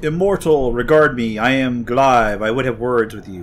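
A man puts on a rumbling, creaky, gravelly character voice at a medium pitch. He speaks at a moderate pace over light background noise. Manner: slow, ponderous.

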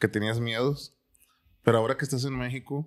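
In a very clean recording with a silent background, a man talks at a fairly quick pace in a medium pitch. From Mexico. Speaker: interviewer. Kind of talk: interview. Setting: at a conference.

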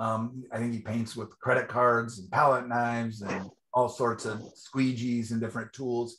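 A man with an American accent at a medium pitch, moderate pace, monotone, flat intonation and hardly any pauses. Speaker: painting instructor. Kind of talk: online class. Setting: video call.

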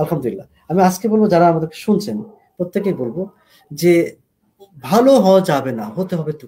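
A man is speaking. His voice is high-pitched. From Bangladesh, Kushtia. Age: 40s. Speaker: English teacher and career advisor. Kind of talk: radio call-in advice talk. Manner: animated.

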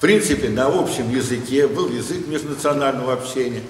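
Audible room echo surrounds a man with a fairly high pitch. He talks at a moderate pace with lively intonation. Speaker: event host. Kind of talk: formal event hosting. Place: hall. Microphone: handheld.

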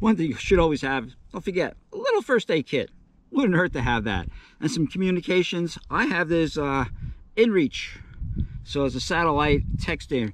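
With very wide pitch swings around a high pitch, a man talks at a moderate pace in a dry sound with no echo. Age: 60s. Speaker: full-time overlander living in his vehicle. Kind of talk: casual talk to camera. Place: open country. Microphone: phone near.

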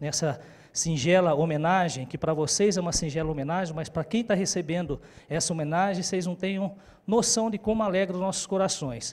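This man's voice sits high in pitch, with ordinary pitch variation. He speaks at a fairly quick pace. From Brazil, Jaú (São Paulo state); São Paulo state, Brazil. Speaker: bar association head; honoree giving thanks at a council session. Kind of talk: ceremony speech. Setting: city council chamber. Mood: grateful, heartfelt. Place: hall. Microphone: handheld.

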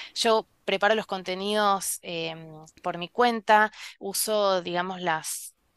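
A woman with an Argentine accent speaks very slowly at medium pitch with fairly even intonation, against a quiet background, with a dry, close sound and no echo. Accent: Rioplatense Argentine Spanish. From Argentina, Buenos Aires and Patagonia. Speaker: language teacher and translator. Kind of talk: interview.

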